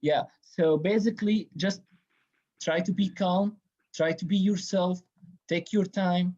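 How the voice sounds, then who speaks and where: A man giving casual, quick advice on interviews during a video call, with lots of fillers. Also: high voice, steady tone, a little mellow, dull audio. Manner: quick, casual, many likes.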